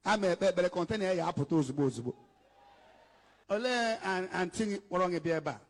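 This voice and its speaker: A man with a Nigerian English accent preaches with a strikingly high voice, scolding and emphatic, repeating his points. His words ring out through a large hall with a long, lingering echo. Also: animated, fast talker. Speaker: evangelist. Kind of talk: preaching to a congregation, switching between English and Igbo. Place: church hall with an altar.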